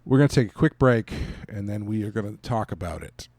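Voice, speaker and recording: A man co-hosting a podcast, chatting informally about a review and halting as he searches for words. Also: lowish voice, expressive, darkish tone, dry recording. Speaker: podcast co-host. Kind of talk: casual review chat.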